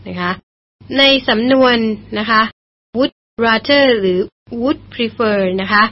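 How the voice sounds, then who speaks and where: A woman teaching English in a radio lesson, patiently explaining and repeating phrases slowly. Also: fairly high pitch. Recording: dull lo-fi broadcast recording.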